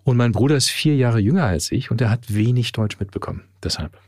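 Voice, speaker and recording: A man in his forties, raised in Canada and speaking with a slight tinge, answers interview questions thoughtfully, with pauses and fillers. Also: mid-range voice, darkish tone, no room sound, studio quality. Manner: thoughtful, hesitant, many fillers. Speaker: podcast guest.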